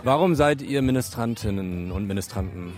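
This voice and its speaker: A man's voice: fairly low pitch, expressive, normal speed, a little mellow, soft background music. A young man reporting outdoors in a park, chatting directly with the people he interviews. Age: young adult. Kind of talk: casual street interviews.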